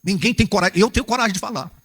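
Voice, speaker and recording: A Brazilian man preaching a humorous, animated sermon to church workers, acting out little scenes as he goes. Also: high voice, very fast, husky, in a large hall. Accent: Brazilian Portuguese.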